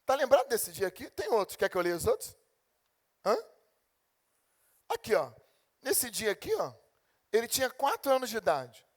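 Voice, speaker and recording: A male pastor with a Brazilian Portuguese accent delivers an animated sermon, alternating between portraying God and the complaining believers of his congregation. His voice is very high, his pace moderate, and he pauses often.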